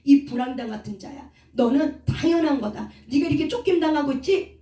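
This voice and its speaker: A woman's voice: high-pitched, fairly quick, warm tone, close to an everyday voice. A woman preacher voicing a spiteful man who jeers at and curses a king, in a roomy recording from a distant mic. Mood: angry, jeering. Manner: jeering, contemptuous scolding.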